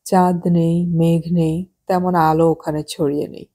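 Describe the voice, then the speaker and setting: A woman narrating a novel as an audiobook in a calm, measured reading style. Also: on the low side.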